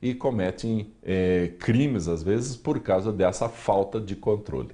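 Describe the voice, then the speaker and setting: A man explaining emotional control for children as a regular columnist on a TV news program, with a calm, explanatory manner and a Brazilian Portuguese accent. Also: lowish voice, a little slow. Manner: calm explanatory, acts out parents' lines. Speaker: weekly columnist on parenting.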